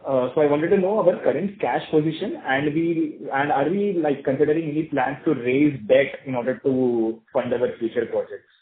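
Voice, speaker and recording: A man's voice: on the high side, normal speed. Indian-accented male analyst, echoey tinny phone. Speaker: investment analyst caller. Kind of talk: asking questions on earnings call.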